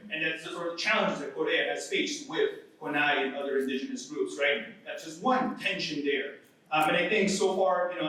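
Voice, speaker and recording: A man's voice: on the high side, fairly bright tone. A man from Ecuador asking a long question from the audience, hesitant with many "um"s. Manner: halting, many "um" fillers and restarts. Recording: echoey hall from far off.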